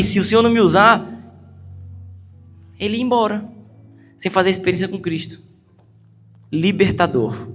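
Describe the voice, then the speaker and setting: A man with a Brazilian Portuguese accent preaching a sermon, telling a story earnestly and building to urgent emphasis. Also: high-pitched. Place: church hall. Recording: long hall reverb with faint music.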